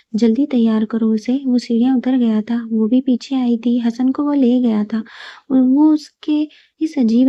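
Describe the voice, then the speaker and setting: A woman reading a romantic audio novel in a steady, even storytelling narration. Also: a little high, dry recording. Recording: dull lo-fi recording.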